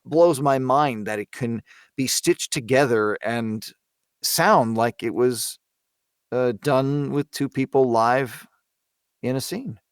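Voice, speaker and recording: A man talking casually and thoughtfully about voice acting, pausing to search for his words. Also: medium pitch, clean tone, no echo, studio quality. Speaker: voice actor on a horror audio drama. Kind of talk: casual behind-the-scenes discussion.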